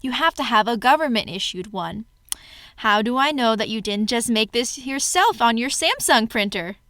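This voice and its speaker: A woman's voice: on the high side, lively intonation, normal speed, fairly bright tone, no room sound. A woman playing a stubborn, dismissive poll worker who argues with voters in a readers theater piece. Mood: condescending. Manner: dismissive, argumentative. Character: stubborn, officious female poll worker turning voters away. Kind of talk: staged readers theater acting.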